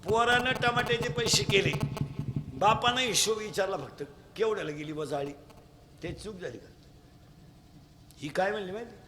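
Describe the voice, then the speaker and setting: A man's voice: high-pitched, normal speed, long pauses, background noise. A man preaching a humorous devotional kirtan sermon, mocking and mimicking people as he talks. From Maharashtra. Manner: lively, mocking, mimics people in their own voices.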